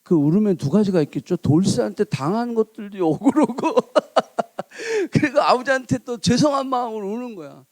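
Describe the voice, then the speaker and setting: A man preaching a sermon, telling a folk tale with playful, animated delivery and asking the congregation questions. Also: sits high, brisk, dry recording. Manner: animated, playful, acts out characters. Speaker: pastor. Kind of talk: sermon with lively storytelling.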